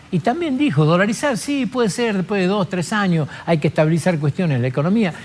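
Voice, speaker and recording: This man's pitch swings very widely. He talks at a fairly quick pace. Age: 60s. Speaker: radio/TV political commentator. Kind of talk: political commentary monologue.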